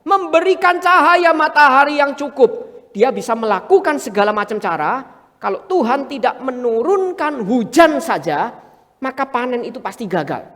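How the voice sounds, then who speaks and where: A woman preaching a sermon in a church, emphatic, acting out the inner voices of the people she describes, swinging between loud urging and soft, low asides. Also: expressive, moderate pace, long reverb tail.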